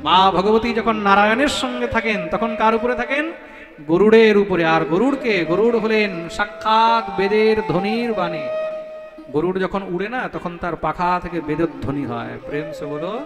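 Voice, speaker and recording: High-pitched man preaching, asks the crowd stuff, chants slow verses, big echoey hall with music going. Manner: calls on listeners, repeats questions, chants Sanskrit slowly. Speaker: Bhagwat preacher. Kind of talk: devotional discourse with chanted verses.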